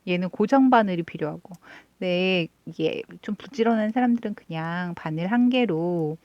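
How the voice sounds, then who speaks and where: Soft-spoken chatty woman knitting. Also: fairly low pitch, moderate pace, no echo, highs cut off. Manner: rambling, chatty storytelling. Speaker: knitting channel host. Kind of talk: casual chat while knitting.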